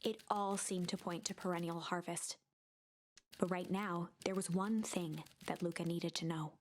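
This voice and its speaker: A woman's voice: fairly low pitch, fairly even intonation, normal speed, slight background noise, close to an everyday voice. A woman performing as the storyteller of a mystery adventure game, reading scripted narration in a storybook style. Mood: measured, dramatic.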